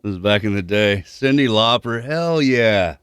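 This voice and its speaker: Animated man with big pitch swings. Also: measured pace, smooth, no room sound. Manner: jokey, swears casually. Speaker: podcast co-host. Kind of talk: casual banter.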